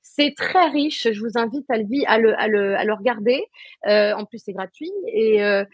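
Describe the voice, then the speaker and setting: A higher-pitched woman with a husky, breathy tone and a dry, close sound speaks as a medium in a live interview. She explains earnestly but hesitates often, with fillers and restarts. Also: normal speed, dry recording, highs cut off. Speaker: medium, guest.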